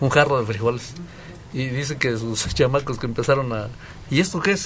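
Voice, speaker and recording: A man speaks at a fairly quick pace. His pitch is medium, with ordinary variation. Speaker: radio co-host. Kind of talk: casual chat.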